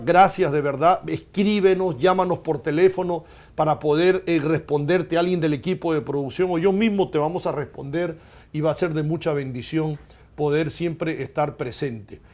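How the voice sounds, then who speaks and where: Effusive man hosting a Christian TV show. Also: a little high. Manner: warm, effusive, peppered with "¿verdad?". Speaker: host. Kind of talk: Christian TV interview. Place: TV studio.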